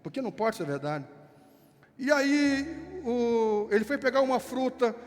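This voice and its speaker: High-voiced southern Brazilian pastor preaching. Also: male voice, lively intonation, unhurried, long reverb tail. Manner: conversational storytelling, acts out dialogue. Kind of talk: sermon with anecdotes. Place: church.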